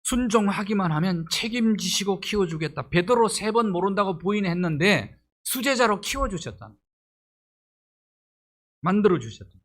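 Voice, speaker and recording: A middle-aged male pastor delivering a sermon, pressing his points with rhetorical questions and rising emphasis. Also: fairly high pitch.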